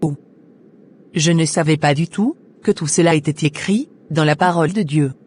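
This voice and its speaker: A woman voicing a kind, devout character in a Christian cartoon, with a husky voice and gentle, formal delivery. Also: deep voice, moderate pace, slight background noise, close to an everyday voice. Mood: surprised, agreeing. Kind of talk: scripted Christian animation dialogue.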